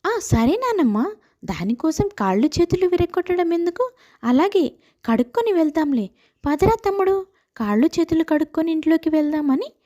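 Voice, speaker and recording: Woman as a spoiled high-voiced city girl. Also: big pitch swings, moderate pace, mellow. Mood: placating. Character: spoiled, lazy city girl, older sister. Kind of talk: animated children's story dialogue.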